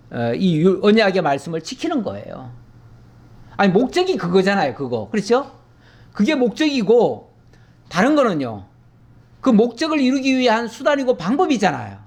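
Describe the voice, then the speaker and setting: A male pastor teaching from the Bible in a conversational, animated way, often checking in with his listeners. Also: high-pitched. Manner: conversational, animated retelling with tag questions.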